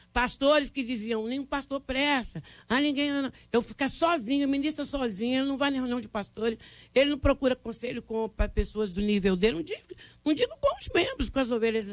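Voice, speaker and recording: A woman speaks at a high pitch and a moderate pace, with ordinary pitch variation. The background is quiet. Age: 60s. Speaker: pastor. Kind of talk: radio panel debate. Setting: radio studio. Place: studio.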